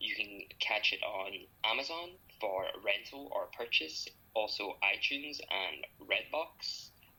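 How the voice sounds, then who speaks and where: At a fairly slow pace, a man speaks with noticeable background noise. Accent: American. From Scotland, Glasgow. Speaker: actor. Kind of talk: interview.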